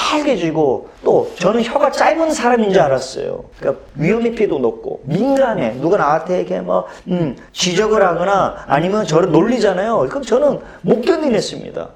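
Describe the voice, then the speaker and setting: A middle-aged man who works as a speech coach, telling a personal story as a lecture in a dramatic, animated way and often asking his audience questions. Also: high voice. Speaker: clinical psychology speech coach and speech instructor.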